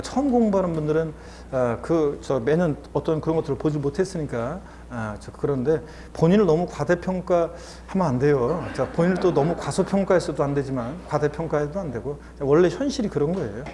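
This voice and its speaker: A man's voice: a little high, mellow, a little hiss or hum. A man teaching a lecture course in a chatty, encouraging way. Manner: chatty and encouraging, often starts with "자". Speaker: instructor.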